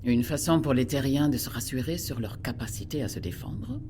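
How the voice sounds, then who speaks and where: Caring, inquisitive female companion: deep voice, animated delivery, scored sci-fi radio fiction. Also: brisk, background noise. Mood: curious. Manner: inquisitive, informal, lively. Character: curious, caring female human listener in far future. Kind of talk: audio drama dialogue. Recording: music bed behind the voice. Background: music.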